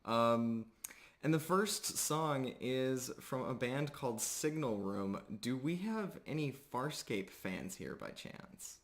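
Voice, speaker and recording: A man hosting a roleplay stream as game master, chatting casually and informally with halting announcements. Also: mid-range voice, expressive. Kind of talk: casual chat introducing a live roleplay stream.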